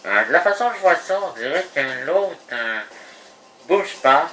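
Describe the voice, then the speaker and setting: A man's voice: a little high, normal speed, poor audio. A man with a Québécois accent giving casual, joking commentary over his gameplay. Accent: Québécois French. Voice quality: lively, joking, mock sportscaster asides. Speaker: gaming video host. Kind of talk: casual let's play commentary.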